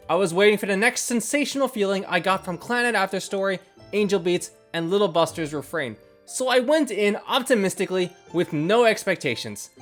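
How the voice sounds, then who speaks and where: A man hosting a video essay, reading scripted narration in a measured, reflective way over opinions and recollections. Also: high-pitched, a bit bright. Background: background music.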